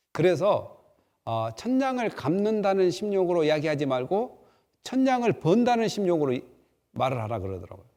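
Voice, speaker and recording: A man with a high pitch and a dark, mellow tone lets his voice swing very widely in pitch. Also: moderate pace. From Korea, Jeolla region. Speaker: pastor. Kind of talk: sermon. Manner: halting, many fillers.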